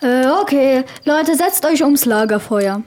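A woman's voice: sits high, lively intonation, unhurried, a little mellow. A female performer playing a bossy, skeptical member of a cute animal gang in a children's story play.

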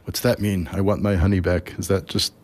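Deep-voiced male interviewer. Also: level tone, brisk, darkish tone. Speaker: interviewer host. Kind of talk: radio interview.

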